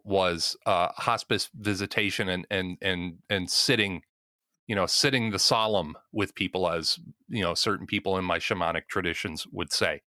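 A man hosting a podcast discussion, speaking in a measured, deliberate way and steering the questions. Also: lowish voice, pushed and bright, no echo, clean studio sound. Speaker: podcast host.

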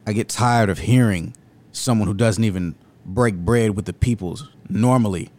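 A man's voice: on the low side, normal speed, darkish tone. A man hosting an opinionated video commentary, speaking in an emphatic, rhetorical and indignant way. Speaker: commentary host.

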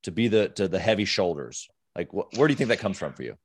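A man's voice: sits low, expressive, quick pace, breathy edge, no echo, studio quality. A man hosting a podcast, interviewing conversationally with affirming, emphatic remarks. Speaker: podcast host.

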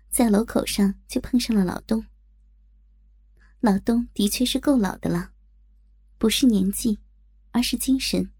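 A woman narrates a first-person story in a steady, plain voice. Her tone is gravelly and mellow, and her higher pitch sits in a dry, close recording. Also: no echo.

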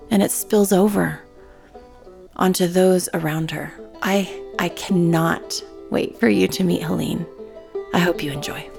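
A woman hosting a podcast, earnest and soft-spoken, sometimes dropping almost to a whisper. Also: lowish voice, creaky. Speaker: podcast host. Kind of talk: scripted intro, then gentle interview.

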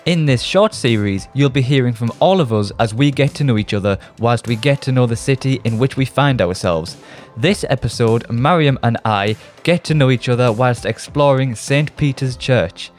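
A man's voice: medium pitch, moderate pace, few pauses, faint music behind. A young man from Hartlepool, co-hosting a student podcast in a friendly, casual way and laughing often. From Hartlepool, England. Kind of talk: casual chat, scripted intro.

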